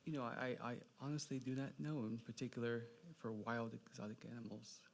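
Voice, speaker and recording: A man's voice: medium pitch, fairly even intonation, fairly quick, a little hiss or hum. A man working as a municipal superintendent, giving candid, casual answers at a meeting. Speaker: animal services superintendent.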